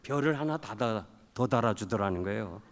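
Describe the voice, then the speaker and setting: Male pastor telling a story in a sermon, does the voices, goes loud then soft, big church reverb. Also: lowish voice, lively intonation, brisk. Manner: acts out quoted voices, swinging loud and soft. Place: church sanctuary. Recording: long hall reverb.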